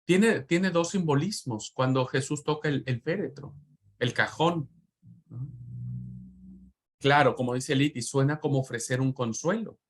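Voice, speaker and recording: A man of medium pitch lecturing a Bible class with the fervor of a preacher. He repeats key words for emphasis and turns often to his listeners as brothers. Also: unhurried. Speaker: Bible teacher.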